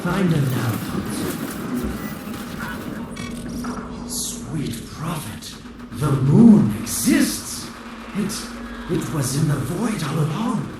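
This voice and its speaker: An actor playing a smug, scheming video game villain with a sardonic, theatrical manner. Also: male voice, a little high, animated, slow pace. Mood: mocking wonder. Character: smug, scheming male villain, slyly taunting and mocking. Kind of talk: video game character acting. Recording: distant, very echoey, over loud game noise.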